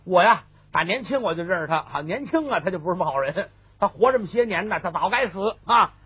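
A man's voice: high-pitched, animated, fast, breathy edge, no echo, full character voice. A male storyteller voicing an elderly imperial dowager who scolds in a commanding way. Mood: scolding. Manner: scolding, urgent. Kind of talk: traditional storytelling. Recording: tinny phone-band recording.

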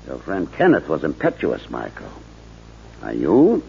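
An actor playing a cold, sardonic foreign spy ringleader in a 1950s radio drama, speaking formally with measured, menacing politeness. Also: male voice, extremely low pitch, huge pitch swings, vocal fry, exaggerated voice. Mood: sardonic command. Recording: muffled, noisy 1950s radio recording.

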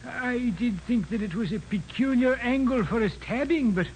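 An actor playing a thoughtful ship's doctor in a 1940s radio drama, hesitant and measured, precise and deferential. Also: male voice, extremely high pitch, animated, low-quality recording. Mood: thoughtful, puzzled. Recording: hissy old radio recording.

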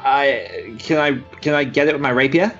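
A man's voice: medium pitch, animated, moderate pace, fairly bright tone, lo-fi sound, faint music behind. A man playing a tabletop game, joking in casual banter. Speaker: player.

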